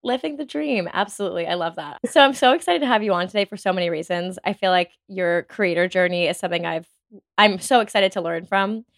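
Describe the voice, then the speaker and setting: A woman's voice: mid-range voice, fast, creaky. A woman hosting a podcast, talking with gushing enthusiasm and lots of "like" while getting over a cold. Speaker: podcast host. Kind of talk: upbeat podcast intro and chat.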